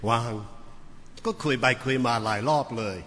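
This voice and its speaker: A man's voice: medium pitch, a little fast, fairly bright tone. A Western man preaching a sermon, telling a story animatedly with many repeated words. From Western country. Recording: echoey hall.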